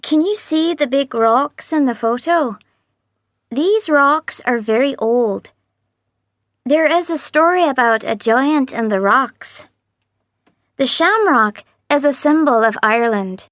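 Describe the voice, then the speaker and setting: Brief: high woman's voice, slow clear textbook read, dry studio. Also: expressive, a bit bright, no echo. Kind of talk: scripted textbook narration.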